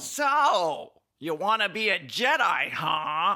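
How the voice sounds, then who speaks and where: A man does a cartoonish character voice, high-pitched and raised to project, with very wide pitch swings. He speaks at a very slow pace over faint music in the background. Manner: wry, teasing.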